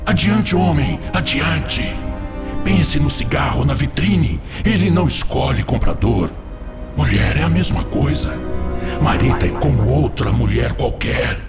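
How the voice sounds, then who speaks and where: A man's voice: mid-range voice, animated, a little slow. A man playing a cunning, lustful tempter spirit in a radio drama, theatrical, insistent and persuasive. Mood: urgent seductive persuasion. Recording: music behind the voice.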